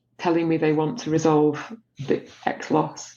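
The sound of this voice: Her low pitch, slightly mellow tone and vocal fry mark this woman's speech.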